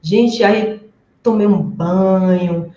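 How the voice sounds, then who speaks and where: A woman's voice: medium pitch, extremely slow, reverberant, highs cut off. A woman from Bahia with a Bahian Brazilian accent, giving a casual, emphatic spiritual testimony as an interview guest. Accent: Bahian Brazilian Portuguese. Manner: animated, emphatic, addresses listeners as "gente".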